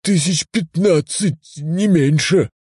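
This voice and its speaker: Cthulhu, as a man voices a husky booming deity. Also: slow, darkish tone, dry recording, clean studio sound. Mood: aggrieved. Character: ancient male Cthulhu entity, disembodied voice, proud and touchy. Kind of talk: audiobook reading.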